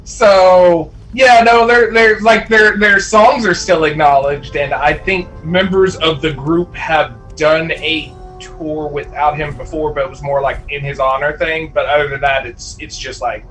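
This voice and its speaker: A man's voice: fairly high pitch, steady tone, a little slow, few pauses, fairly bright tone, recorded from a distance, soft background music, poor audio. A man co-hosting a podcast, chatting casually with laid-back reactions. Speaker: podcast co-host. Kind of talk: casual chat.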